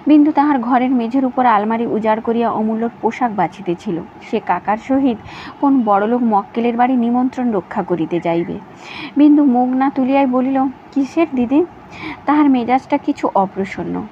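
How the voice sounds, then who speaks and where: A woman storyteller reading a classic novel aloud in an even, measured way, in a slightly dull recording with faint hiss. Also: on the high side.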